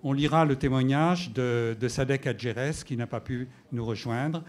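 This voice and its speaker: Brisk man moderating a debate. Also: medium pitch. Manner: brisk, organizing, apologetic about time.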